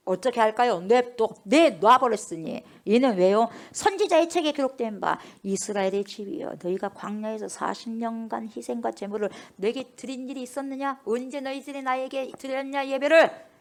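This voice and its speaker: A woman's voice: on the high side, fairly quick, darkish tone. A middle-aged woman pastor, preaching a sermon and firing rhetorical questions at the congregation.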